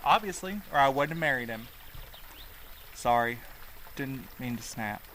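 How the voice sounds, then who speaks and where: A man's voice: medium pitch, animated, unhurried, sharp tone, a little hiss or hum. Blunt, anxious young man played by an actor. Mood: somber, guarded. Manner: blunt, snappy. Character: sardonic, anxious young married man, loyal. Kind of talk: audio drama acting.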